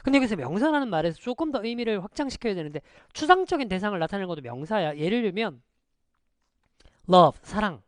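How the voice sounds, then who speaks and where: A man teaching an online lecture, quizzing students with quick rhetorical questions and switching between polite and casual speech. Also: high-pitched, big pitch swings, dry recording, studio quality. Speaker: English teacher.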